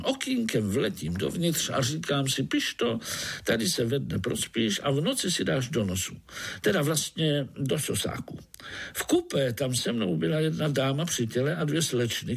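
A man's voice: a little high, big pitch swings, vocal fry, breathy edge, pitched above the performer's own voice, full character voice. A man doing a jovial boastful mosquito with a Slovak accent. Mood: boastful storytelling. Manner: jovial, boastful, drawn-out teasing. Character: boastful hungry male mosquito from the Danube.

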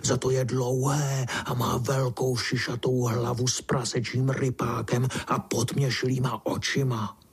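A man voicing a know-it-all male slow worm in a bedtime story, slow and dismissive. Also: mid-range voice, flat delivery, slightly rough, pitched above the performer's own voice.

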